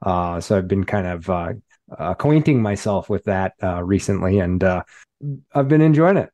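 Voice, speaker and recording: A man who is a guest on a podcast, talking casually and haltingly with many ums and uhs. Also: low-pitched, expressive, warm tone, dry recording, muffled recording. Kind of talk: casual chat.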